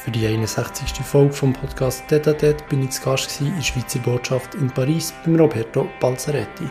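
A man's voice: medium pitch, fairly quick, music in the background. A man with a Swiss accent speaking as a podcast host and interviewer in a conversational style.

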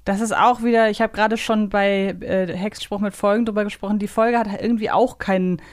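A woman's voice: mid-range voice, steady tone, brisk. Woman podcast host chatting playfully. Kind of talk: casual chat.

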